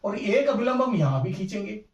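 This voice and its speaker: A man's voice: high voice, sing-song, a little fast, dull audio. A man teaching a maths lesson, explaining each step and often checking that students follow. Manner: explains step by step, asks "समझ में आई बात?". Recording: echoey room, voice from a distance.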